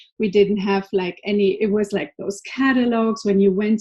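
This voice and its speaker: With a German accent, a woman talks in a fairly high, somewhat breathy voice. Her pace is moderate and her pitch variation ordinary. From Germany. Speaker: storytelling workshop participant. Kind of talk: personal storytelling. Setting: video call. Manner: hesitant, with many fillers.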